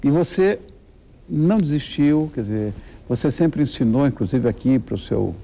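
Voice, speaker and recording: A man's voice: mid-range voice, animated, moderate pace, creaky, warm tone. A man with a Brazilian accent hosting a talk show and interviewing a guest in a conversational way.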